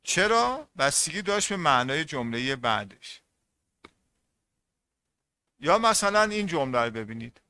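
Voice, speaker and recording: Bright-voiced man teaching an online class. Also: on the high side, sing-song, pauses often, smooth, dry recording. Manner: explains by repeating key points and asking the class questions. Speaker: English teacher.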